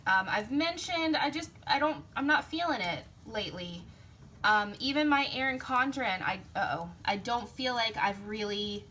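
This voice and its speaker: A young woman who runs a sticker shop and vlogs about planners chats through her planner setup at her home craft desk early in the morning. Tired, she sounds medium-pitched, pushed, bright, and slightly strained, rambling and interrupting herself. An overhead phone camera records her, with running printers adding slight background noise.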